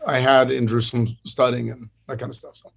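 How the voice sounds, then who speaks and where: A man's voice: mid-range voice, level tone, quick pace, gravelly. A middle-aged man, a rabbi, talking in a podcast interview, telling stories and teaching with many restarts and fillers. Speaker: rabbi and podcast host, guest.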